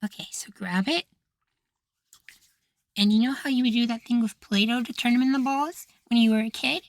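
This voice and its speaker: A man playing an affectionate, easily flustered young femboy househusband in an intimate ASMR roleplay, speaking in a soft, feminine, coaxing way. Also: very high-pitched, normal speed, no room sound. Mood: affectionate, praising. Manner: coaxing, gently praising, sweetly apologetic.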